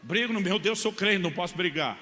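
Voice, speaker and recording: Bright-voiced Brazilian pastor telling a story. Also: male voice, sits high, lively intonation, fairly quick. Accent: Brazilian Portuguese. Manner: conversational storytelling, addresses listeners as "irmão". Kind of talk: sermon testimony. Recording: echoey hall with faint noise.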